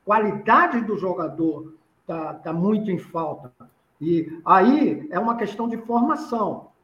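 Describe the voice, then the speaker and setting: Male pundit from Recife, high voice, repeats points, dull lo-fi room sound. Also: animated, measured pace. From Recife, Brazil. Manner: explanatory, repeats points for emphasis. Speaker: football pundit. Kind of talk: casual panel discussion. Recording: dull lo-fi roomy recording.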